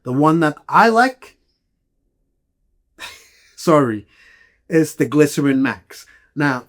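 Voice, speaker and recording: A man from Malawi talking casually and explanatorily as a podcast host, emphatic and often checking in with the listener. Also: mid-range voice. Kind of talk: casual explanatory talk to listeners about gear.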